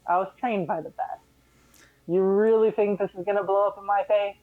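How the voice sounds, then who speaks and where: A player voicing a cocky young male halfling rogue, speaking lower and quicker than usual. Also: fairly even intonation, dry recording, phone-quality sound, natural voice.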